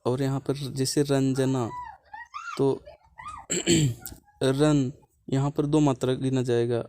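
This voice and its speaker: A man's voice: medium pitch, little pitch movement, takes it slowly, noisy background. A man teaching a lesson step by step in a patient way, repeating key points and checking in often. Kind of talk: explaining a lesson plan step by step.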